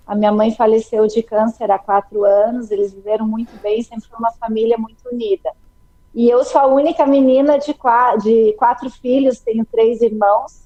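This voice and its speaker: A Brazilian woman in her forties from Curitiba, a guest telling her story calmly in an interview. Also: on the high side, normal speed, dull audio. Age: 40s. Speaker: guest, ophthalmologist. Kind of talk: interview conversation.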